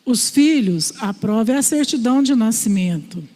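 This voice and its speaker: Higher-voiced woman preaching in a reverberant hall. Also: normal speed. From Brazil. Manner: storytelling, animated voices for quoted father. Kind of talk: sermon. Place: church hall.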